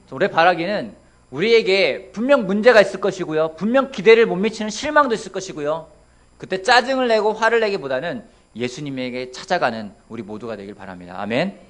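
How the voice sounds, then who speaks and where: A man's voice: high voice, lively intonation, fast talker, fairly bright tone. A man in his thirties, a pastor preaching a sermon in a church, asking his congregation questions and acting out quotes playfully. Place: church sanctuary.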